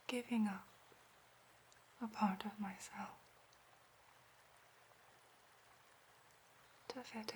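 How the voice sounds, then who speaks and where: Woman playing an ancient whispering elf, slow whispered role-play. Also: medium pitch, slight background noise, lightly acted. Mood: wistful, solemn. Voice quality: soft, breathy whisper. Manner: elf-like, measured, solemn, formal and soothing. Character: ancient, gentle, formal elf therapist and magic practitioner.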